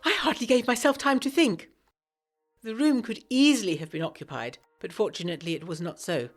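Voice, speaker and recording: A woman's voice: fairly high pitch, brisk, faint music behind, lightly acted. A woman playing an eager, self-pleased 1920s lady narrating a gothic audio drama in genteel, bookish diction. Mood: hushed, observant.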